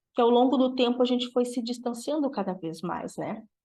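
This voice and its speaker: Audible room echo surrounds a woman speaking at a high pitch. Her intonation is fairly even. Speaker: nutritionist. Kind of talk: health talk to church group.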